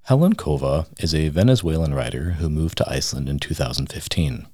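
A man narrating a scripted news feature as a reporter, measured and steady. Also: a bass voice, husky, dry recording, clean studio sound. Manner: measured, reads quotes aloud in the same voice. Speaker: radio reporter.

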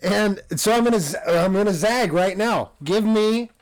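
Male podcast co-host, slightly high pitch, dry close sound, rambling casual sports talk. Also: normal speed, dry recording. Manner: rambling, self-correcting, chuckling.

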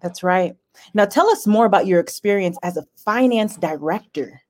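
A woman's voice: medium pitch, expressive, moderate pace, a little mellow. A woman hosting a podcast, reading an upbeat scripted intro and asking her guest questions. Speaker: podcast host.

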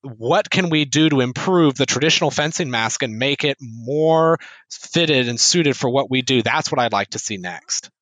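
A man fencing instructor, a podcast guest, explaining in an earnest, steady way with a few small restarts. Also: medium pitch, normal speed, no echo, poor audio. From United States. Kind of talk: casual podcast interview.

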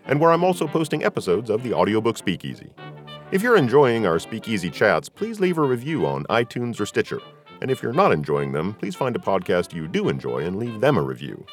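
A man hosting a podcast in a casual, conversational style. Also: on the low side. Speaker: podcast host and audiobook narrator. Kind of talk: casual podcast interview and chat.

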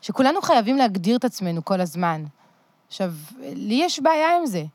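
A woman's voice: mid-range voice, big pitch swings, darkish tone, no room sound. A middle-aged woman from France with a French accent in Hebrew, chatting reflectively as an interview guest. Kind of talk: casual reflective conversation.

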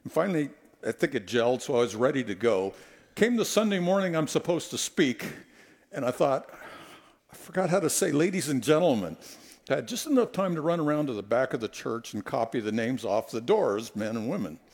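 A middle-aged man preaching a sermon in a church on a headset mic, telling stories and acting out quotes in an animated way. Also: mid-range voice, a little fast. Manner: animated, storytelling, acts out quotes. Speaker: guest preacher. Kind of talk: sermon with humorous anecdotes. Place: church sanctuary.

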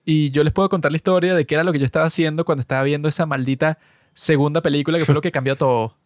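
A Latin American man chatting on a podcast. His voice sits a little high and sounds dry and close to the mic. He jokes and brags with mock seriousness, slipping into slang as he tells stories. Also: fairly even intonation, racing, dry recording. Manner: joking mock-boastful, slangy storytelling. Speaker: podcast co-host. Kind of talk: casual podcast chat.

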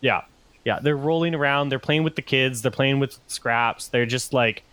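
A man's voice: mid-range voice, moderate pace, fairly bright tone, clean tone. A man narrating as game master, rambling with many fillers.

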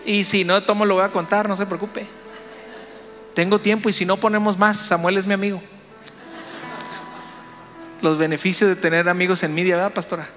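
A man, a pastor, telling a story in a sermon, animated and playful as he talks to the congregation. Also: high-pitched, normal speed, pauses often, long reverb tail, faint music behind.

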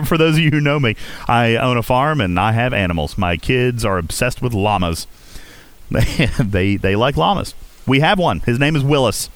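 Male stream host from Virginia, talkative, reads chat aloud, lively pitch, close dry sound. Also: normal speed, no room sound. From Virginia, USA. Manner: talkative, reads and answers viewer chat, keeps asking "okay?". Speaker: livestream host. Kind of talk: casual gaming livestream chat.

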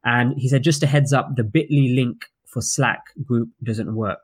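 London host, mid-pitched, chatty and upbeat, lots of asides. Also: male voice, moderate pace, husky. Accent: British English, London. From West London. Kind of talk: casual live-stream chat.

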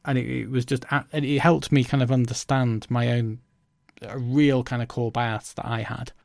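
A man's voice: mid-range voice, little pitch movement, moderate pace, creaky, dry recording, clean studio sound. A man who works in learning and development, talking in a chatty, reflective way with lots of "you know". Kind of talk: casual conversational chat.

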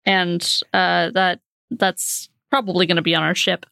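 A woman's voice: lowish voice, level tone, vocal fry, bright, forceful tone, clean tone, dry recording, studio quality. Chatty woman playing a tabletop game. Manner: chatty, laughs often, halting fillers. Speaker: player. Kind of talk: casual tabletop game chat.

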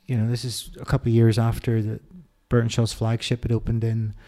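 A middle-aged Irish man speaks in a low-key, mellow voice that barely rises or falls. He talks haltingly and reflectively, restarting his sentences and filling pauses with ums as he opens up in an interview. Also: monotone. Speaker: interview guest. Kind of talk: candid personal interview.

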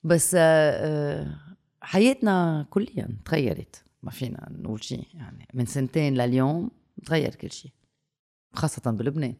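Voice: mid-range voice, normal speed, gravelly, a little mellow. A speaker with a Levantine, Lebanese Arabic accent chatting casually, repeating phrases for emphasis and mixing in English and French words.

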